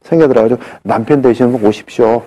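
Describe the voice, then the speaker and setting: A man giving a live health seminar, telling a story and acting out both sides of a phone call. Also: fast talker. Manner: animated, shifts pitch when quoting others. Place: seminar hall.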